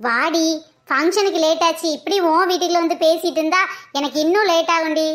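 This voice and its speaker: A woman's voice: very high voice, a little fast, a bit bright. A woman voicing a chatty, teasing young woman friend in a cartoon comedy.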